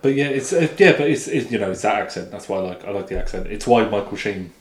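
A man's voice: fairly low pitch, expressive, fast talker. A young man co-hosting a podcast, chatting about politics in a blunt, heated way and swearing freely. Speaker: podcast co-host. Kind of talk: casual political chat. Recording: echoey room with faint noise.

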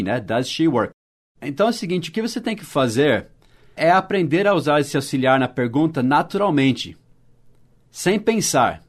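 A man with a Brazilian Portuguese accent, teaching a podcast lesson for learners, saying the example phrases slowly and clearly between quick explanations. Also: medium pitch. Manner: slow, exaggerated model phrases in English between quick explanations. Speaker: English teacher.

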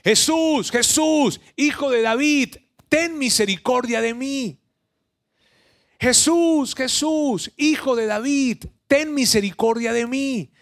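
A blind beggar man cries out in a raised, strained voice, pleading desperately for mercy, as a preacher acts him out in a sermon. His voice climbs well above the speaker's own and stretches each plea slowly. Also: extremely high pitch, voice pushed up, exaggerated voice. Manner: shouting, pleading.

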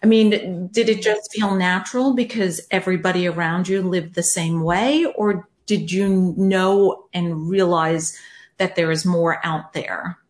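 A woman's voice: on the low side, fairly even intonation, a little slow. Upbeat woman hosting a podcast. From United States. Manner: upbeat, laughs readily. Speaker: podcast host. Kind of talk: conversational interview.

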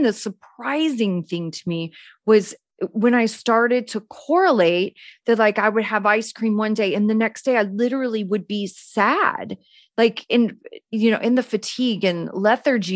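A woman's voice: medium pitch, no room sound. Chatty woman host with a dry sound. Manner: casual, chatty, lots of "like". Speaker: podcast host. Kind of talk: podcast conversation.

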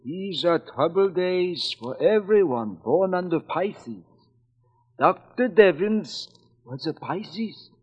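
An actor playing a shifty foreign handyman turned blackmailer, speaking halting broken English, in 1940s radio acting on an old radio show recording. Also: high voice, animated, heavily acted. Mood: sly. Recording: dull old broadcast with long reverb.

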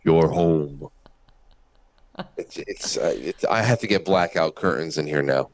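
A man co-hosting a casual live chat, halting and repeating words as he gets going. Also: extremely low pitch, animated. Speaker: talk show co-host.

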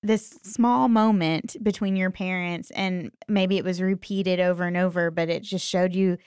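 A woman's voice: on the low side, steady tone, normal speed, a little mellow, clear, resonant tone, no room sound, studio quality. A woman co-hosting a podcast in casual conversation. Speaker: podcast co-host.

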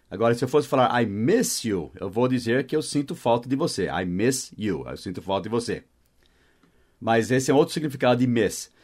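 A man's voice: mid-range voice, a little mellow. A man hosting a short podcast lesson, explaining English words in casual Portuguese, spelling them out letter by letter and often checking in with "tá?" and "né?". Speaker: English teacher and podcast host.

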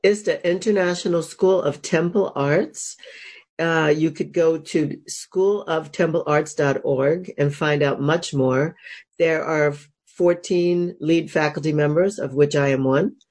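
A woman with a cold and a gravelly voice, a coach talking as an interview guest, enthusiastic, with fillers and restarts. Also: low-pitched, a little slow, darkish tone. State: has a cold. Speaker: sex and happiness coach, guest. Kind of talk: casual interview talk.

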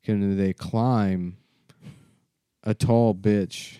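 A man co-hosting a podcast, rambling through crude jokes and deadpan mock news bits. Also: fairly low pitch, extremely slow, clean tone, dry recording, studio quality. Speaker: podcast co-host. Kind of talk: crude comedy banter.

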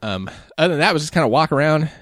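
A man's voice: fairly high pitch, animated, very fast, fairly bright tone, no room sound, clean studio sound. A man losing his voice a little, chatting casually and rambling a bit as a podcast co-host. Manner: rambling, laid-back, lots of ums. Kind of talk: casual chat recapping a race.

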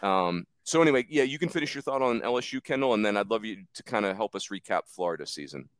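A man's voice: on the low side, expressive, fast talker, dry recording. A man hosting a sports podcast, steering the talk and stressing figures emphatically. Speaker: podcast host steering the discussion.

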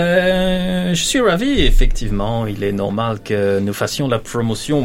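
A man voicing an American businesswoman with an American accent, halting and slipping between English and French in a tabletop role-play. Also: medium pitch. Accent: American English, put on. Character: American woman businesswoman, gracious and proud.

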